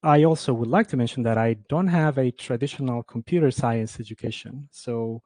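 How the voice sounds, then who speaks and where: A man's voice: mid-range voice, fairly quick, warm tone, no room sound. A man from Ecuador giving a conference talk on game audio, speaking with many fillers and restarts.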